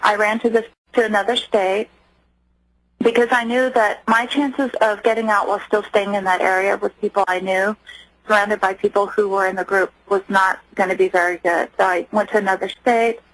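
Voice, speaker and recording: A woman giving earnest personal testimony as a radio interview guest, halting at times. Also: medium pitch, fairly even intonation, fairly bright tone, no room sound, poor audio. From United States. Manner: earnest, halting, acts out quoted voices.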